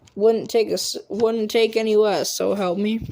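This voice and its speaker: A woman puts on a gruff, rumbling character voice at a fairly high pitch. She speaks at a moderate pace. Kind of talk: hard-bitten tough talk. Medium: read story. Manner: gruff, grumbling.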